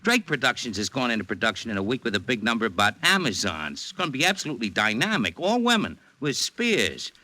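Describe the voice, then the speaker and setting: A brash, slangy Hollywood agent. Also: male voice, medium pitch, sing-song, fast, few pauses, pushed and bright. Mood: coaxing. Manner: brash slangy patter, calls listener doll. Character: fast-talking male Hollywood talent agent, brash. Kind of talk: 1940s radio acting. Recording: old radio transcription with music.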